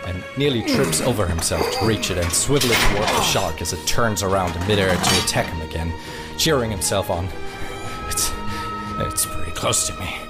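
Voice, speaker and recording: A man improvising his character's actions as a player in a fantasy game, wry and a little halting. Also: deep voice, lively intonation. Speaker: player in an actual-play podcast. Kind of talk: improvised third-person roleplay. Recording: loud music under voice. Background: loud music.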